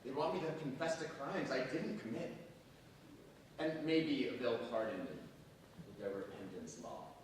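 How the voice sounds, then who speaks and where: A man's voice: animated, measured pace, close to an everyday voice. Casting: man playing a sardonic political prisoner awaiting execution, declamatory stage delivery, heard far off in a reverberant hall. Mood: grave, defiant. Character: defiant, sardonic imprisoned militant man facing execution. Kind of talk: theatrical staged reading. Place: large echoing hall, staged reading. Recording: very echoey hall, distant mic, faint rumble.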